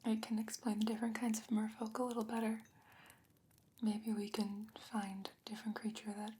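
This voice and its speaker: Woman acting as composed old sorceress, breathy near-whisper, gently chiding, deliberate phrasing, fantasy ASMR roleplay, audible background noise and clicks. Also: a little high, level tone, lightly acted. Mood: patient, explaining.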